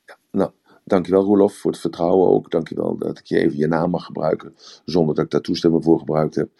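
A man's voice: low voice, flat delivery, fast, creaky, dark tone, slightly rough. A man giving a rambling, explanatory talk on communication in a live audio room, often repeating words. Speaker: speaker on communication.

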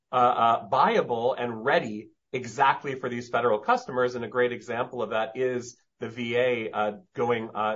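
A man's voice: mid-range voice, fairly bright tone. Emphatic businessman on muffled call audio. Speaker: company executive. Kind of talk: earnings call explanation, business jargon. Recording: dull, lo-fi conference-call audio.

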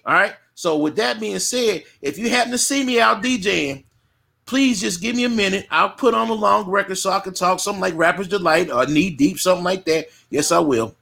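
Brief: high-voiced man in his fifties, gravelly and bright, a profane DJ chatting casually. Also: fairly quick. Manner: animated, profane, repeats himself. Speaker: DJ and co-host. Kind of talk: casual chat.

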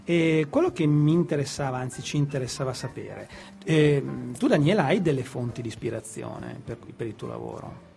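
A man interviews a guest in a relaxed radio-chat format. He repeats the starts of his phrases as he goes. Music sits faintly behind his voice. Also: medium pitch, normal speed, creaky.

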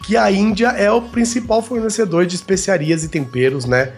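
A man's voice: high voice, steady tone, normal speed, faint music behind. A Brazilian man co-hosting a podcast, explaining facts in a long, casual way with lots of filler tags. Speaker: podcast co-host.

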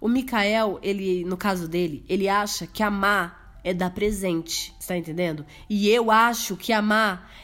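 A woman's voice: mid-range voice, moderate pace, few pauses, a bit bright. A Brazilian woman co-hosting a casual podcast, talking through a stuffy nose from a cold and explaining her point with everyday examples. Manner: chatty, explains with examples, laughs easily. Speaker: podcast co-host. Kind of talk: casual chat.

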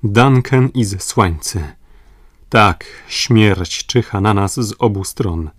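Urgent shouting nobleman in an audiobook scene, voiced by the male narrator; raised, commanding, on a dry track. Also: fairly low pitch, takes it slowly, no echo. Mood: despairing. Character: desperate male nobleman leading a sea escape. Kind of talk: audiobook reading.

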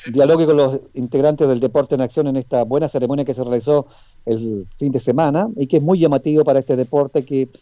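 A man's voice: medium pitch, a little fast, mellow, dry recording, dull audio. A man with a Chilean accent hosting a casual sports radio show, often tagging his remarks with little checking questions. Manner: frequent checking tag questions.

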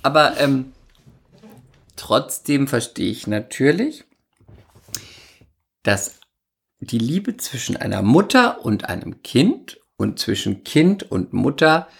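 A woman's voice: extremely low pitch, big pitch swings, slow pace, creaky, long pauses, slightly rough. A woman co-hosting a casual chat podcast, talking in a dry, ironic way. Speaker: podcast co-host.

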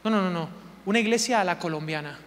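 A man's voice: sits high, fast, big-room sound. A man preaching a sermon, emphatic and full of rhetorical questions, repeating key words for effect.

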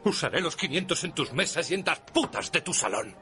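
A foul-mouthed, wheedling gambler in a dubbed TV drama. His voice sits high and swings widely as he laughs and curses. Music plays underneath. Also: big pitch swings, brisk, bright, forceful tone. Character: foul-mouthed indebted gambler begging credit.

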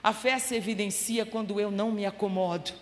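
A woman missionary with a Brazilian accent preaching a sermon fervently, her voice swelling to loud exclamations. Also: medium pitch, steady tone, a little fast. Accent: Brazilian Portuguese. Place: church hall. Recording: echoey church hall.

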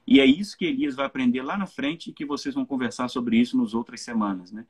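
Talking fast in a medium pitch with a slightly rough voice, a Brazilian man serving as pastor delivers an earnest live church talk. Throughout, he checks in with listeners using "né?" and "entende?".

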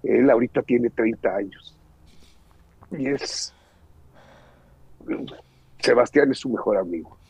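A man's voice: medium pitch, takes it slowly, vocal fry, pauses often, darkish tone, breathy edge. A middle-aged man with a Mexican accent, giving an earnest, emotional personal testimony in conversation. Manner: earnest, emotional storyteller who acts out the voices in his story. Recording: dull lo-fi recording.

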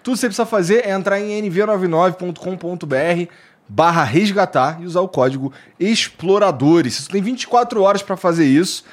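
A man's voice: high-pitched, fast talker. A Brazilian man hosting a casual podcast, chatty and upbeat as he reads sponsor plugs. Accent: Brazilian Portuguese. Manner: chatty, upbeat, filler-heavy. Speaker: podcast host.

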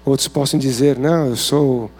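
A man's voice: medium pitch, steady tone, moderate pace, a little mellow, slightly rough. A man with a Brazilian Portuguese accent giving an informal sermon at a men's service, talking conversationally and asking many rhetorical questions.

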